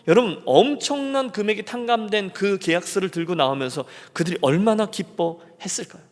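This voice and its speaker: A man's voice: high voice, animated, fairly quick. A male pastor preaching a sermon, telling the story vividly and asking the congregation questions. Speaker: senior pastor. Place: church sanctuary. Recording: long church reverb.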